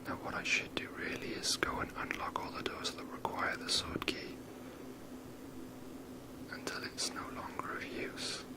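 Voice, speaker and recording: A man whispers ASMR video game commentary in a rambling, wry, sweary manner, close to the microphone. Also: moderate pace. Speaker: video game streamer making ASMR gameplay.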